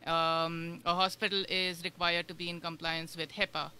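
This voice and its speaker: Woman guest from india, bright tense voice, rambles w lots of likes and uhs, radio studio. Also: fairly low pitch, little pitch movement, moderate pace, clear, resonant tone. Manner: rambling, filler-heavy with many "like" and "uh". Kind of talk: casual interview chat.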